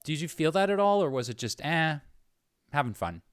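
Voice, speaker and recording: A man's voice: fairly high pitch, very animated, moderate pace, no room sound, clean studio sound. A man chatting casually as an interviewer, rambling a little tentatively and saying "like" often. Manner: tentative, rambling, peppers talk with "like".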